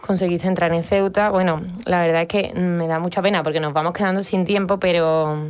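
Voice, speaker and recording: A woman's voice: fairly low pitch, fairly even intonation, fairly quick, clear, resonant tone. A woman hosting a radio program, interviewing a guest and prompting him with short encouraging remarks. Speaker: radio host. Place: radio studio.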